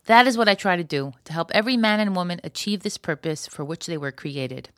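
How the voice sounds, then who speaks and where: Wise rabbi in a told story voiced by a woman, solemn, measured, teaching, dry close sound. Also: lowish voice, lively intonation, a bit bright, no room sound. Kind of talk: acted story reading.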